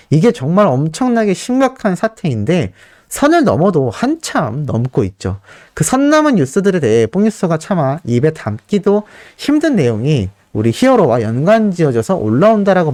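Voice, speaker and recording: Lively man narrating celebrity news. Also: fairly high pitch, no echo, studio quality. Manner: earnest, lively delivery with rhetorical questions to viewers. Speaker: fan news channel host.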